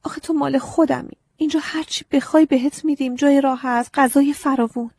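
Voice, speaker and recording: A woman voicing a naive, emotional young farm girl in a breathy audiobook reading, pitched up and pleading. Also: fairly even intonation, darkish tone, no echo, studio quality. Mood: earnest.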